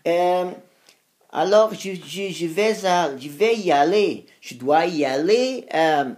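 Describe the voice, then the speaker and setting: A woman who is a non-native beginner in the language, talking unscripted to practice for a channel, halting and repeating phrases as she searches for words. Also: on the low side, animated, a little mellow. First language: not French. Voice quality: non-native, beginner French with frequent errors. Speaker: language learner making practice videos for own channel.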